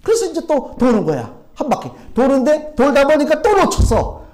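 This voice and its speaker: A middle-aged male pastor giving a sermon, telling a story in a folksy, animated way and acting out his own thoughts. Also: very high voice, moderate pace. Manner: folksy, animated storytelling with acted-out inner speech.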